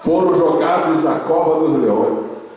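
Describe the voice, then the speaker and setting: A Brazilian pastor preaches slowly and emphatically, repeating his refrains. His fairly high voice rings through a big church hall with a long, echoing tail. He stretches each phrase out for the congregation. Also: a little mellow. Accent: Brazilian Portuguese. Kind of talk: sermon. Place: church sanctuary.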